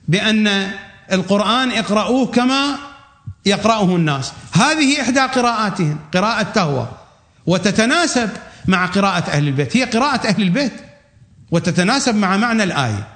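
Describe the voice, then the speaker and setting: A man with a notably high-pitched voice gives a religious lecture. He speaks emphatically, repeats phrases for weight, and recites quoted passages at a slow, deliberate pace. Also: a bit bright. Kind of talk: religious lecture on Quranic readings.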